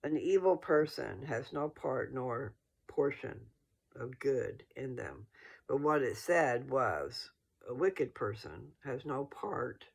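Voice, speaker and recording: Gravelly, sleepy man rambling about scripture. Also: mid-range voice, big pitch swings, slow. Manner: folksy, rambling, self-correcting. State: sleepy, yawning. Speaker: host reading and discussing scripture. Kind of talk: casual rambling religious commentary to followers.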